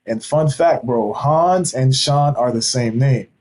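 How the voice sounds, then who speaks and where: A man's voice: mid-range voice, takes it slowly, darkish tone. A man from Haiti hosting a casual podcast interview over a video call, talking in a hype, slangy way. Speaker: podcast host.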